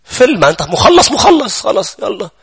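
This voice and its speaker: A coaxing, persuasive devil, as a preacher puts him on in a sermon. The voice sits higher than the speaker's own, bright and slightly husky. He tempts the listener to drift away. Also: big pitch swings, brisk, full character voice. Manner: wheedling, persuasive.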